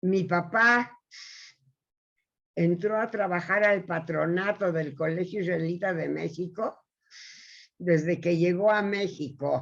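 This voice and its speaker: Against a quiet background, a woman with a fairly low pitch speaks at a very slow pace with long, frequent pauses. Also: ordinary pitch variation. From Mexico. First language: Yiddish (speaking Spanish). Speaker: retired Yiddish teacher. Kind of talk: interview conversation. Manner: conversational, hesitant.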